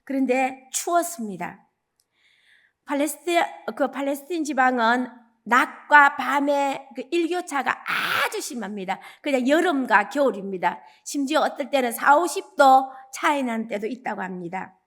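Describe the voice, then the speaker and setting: A woman evangelist with a Gyeongsang accent, preaching a dawn service sermon as animated storytelling. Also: sits high, unhurried. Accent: Gyeongsang Korean. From Gyeongsang region, South Korea. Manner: animated storytelling, acting out quoted lines.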